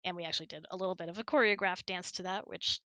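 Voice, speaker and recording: A woman's voice: fairly low pitch, steady tone, very fast, sharp tone, no room sound. A woman hosting, chatting casually and telling personal stories in a conversational way. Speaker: host.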